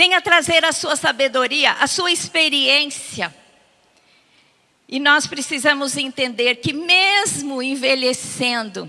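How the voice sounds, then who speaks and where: A woman's raised, projected voice, high-pitched with ordinary pitch variation, at a very slow pace. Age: 60s. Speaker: pastor. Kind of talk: sermon. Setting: church with congregation.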